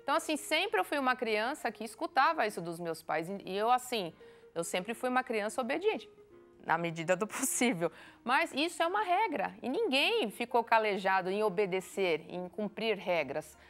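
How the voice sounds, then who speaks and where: A woman teacher, a guest on a studio talk show, telling classroom stories in a lively way and acting out what children and parents say. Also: a little high, moderate pace, faint music behind. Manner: animated storytelling, acts out children and parents in quoted voices.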